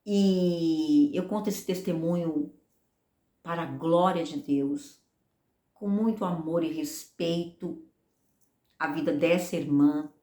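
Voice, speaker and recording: A woman pastor giving a lively sermon testimony, acting out the dialogue as she tells the story. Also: low-pitched, slow, long pauses, reverberant.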